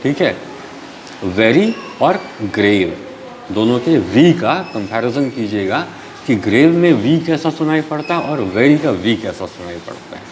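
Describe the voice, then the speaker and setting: Male teacher, slow and animated, explaining patiently with faint hiss behind. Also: medium pitch, rough recording. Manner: slow explaining, mixing Hindi and English, frequent "ठीक है". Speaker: school English teacher. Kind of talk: online class lecture.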